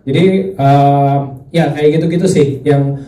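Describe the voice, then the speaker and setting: A man, a film actor answering at a press conference, pausing often to search for words. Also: medium pitch, little pitch movement, dark tone. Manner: searching for words, many fillers. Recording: distant echoey room.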